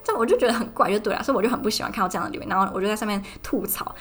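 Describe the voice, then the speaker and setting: A woman's voice: mid-range voice, rapid-fire, fairly bright tone, slightly rough. A young woman in her twenties with a Taiwanese Mandarin accent, hosting a casual podcast and ranting in a chatty monologue. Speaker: podcast host. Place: student dorm room. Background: faint background music.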